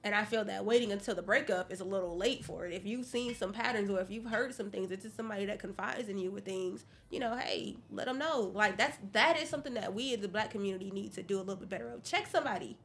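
A woman's voice: medium pitch, fast talker, hardly any pauses, fairly bright tone. A woman with an African American accent talking directly and assertively in a casual group discussion. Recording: clearly noisy background.

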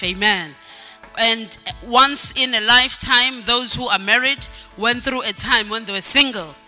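A woman preaches a sermon in a church hall, her voice high and sharp. She drives points home by repeating words and calling out "Amen," sings some phrases, and varies her pace; the hall is reverberant, with faint music.

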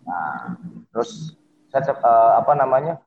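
A man's voice: mid-range voice, very animated, measured pace, slight background noise. A middle-aged man, a podcast guest, talking casually and rambling with many fillers and restarts. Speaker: podcast guest, fitness method founder. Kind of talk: casual interview talk. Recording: tinny phone-like line.

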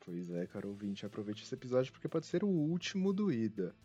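A man's voice: on the low side, sing-song, fairly quick, warm tone, slightly rough. A Brazilian man hosting a casual podcast, chatting in a wry, self-mocking way. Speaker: podcast host. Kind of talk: casual humorous anime podcast chat. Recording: dull lo-fi sound, music behind.

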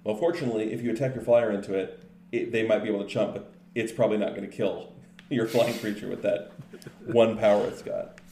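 Male podcast co-host, low and gravelly, mellow tone, roomy echo, relaxed explainer. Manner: relaxed, explanatory, says card names in quick lists. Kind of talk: casual chat about card games. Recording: echoey room with faint noise.

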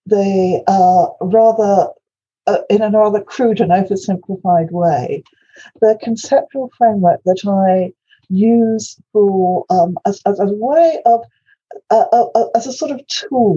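An older woman from Wales, a native Welsh speaker, lectures with lots of ums and restarts. Her voice is husky and dark, set slightly low. The recording sounds muffled. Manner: hesitant, many fillers and restarts. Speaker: invited academic speaker. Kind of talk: academic lecture.

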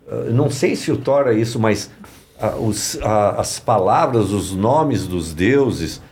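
A man, a voice actor guest, chatting casually and reacting with relaxed amusement. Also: on the low side, slow pace. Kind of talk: casual chat.

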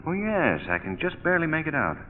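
An urbane young gentleman in a 1930s-style radio thriller. His middle-pitched voice moves freely, wry and inquisitive. The recording is thin, with faint noise behind. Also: sing-song, fairly quick, big-room sound. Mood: curious, polite. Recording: tinny old radio, faint background noise.

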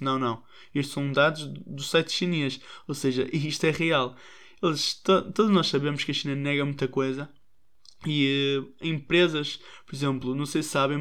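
A man's voice: on the high side, clean tone. A young man with a European Portuguese accent talking in a casual commentary to his listeners, hesitant, with many restarts and fillers.

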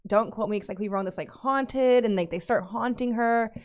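A woman's voice: a little high, brisk. A woman co-hosting a casual podcast chat who speaks with a lisp and talks chattily with many fillers. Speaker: podcast co-host.

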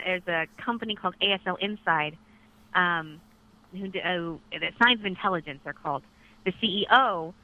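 Female relay interpreter, mid-to-low pitched for conversation, voicing a caller live; muffled telephone sound. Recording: dull radio-like telephone line.

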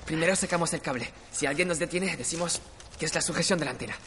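A man dubbing a calm, determined young man leading a daring stunt, who also narrates the story. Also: a little high, fast, slight background noise, natural voice. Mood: urgent. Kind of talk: Spanish film dub.

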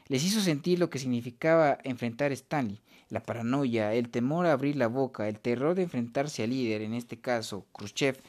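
A man reading a nonfiction book aloud, unhurried, with pauses and occasional self-corrections. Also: mid-range voice. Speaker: reader.

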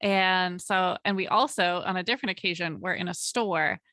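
A woman's voice: fairly low pitch, normal speed, bright, forceful tone, dry recording, clean studio sound. Chatty woman in her late twenties. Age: late 20s. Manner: chatty, laughs often, trails off mid-sentence. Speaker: podcast co-host. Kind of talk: casual podcast chat.

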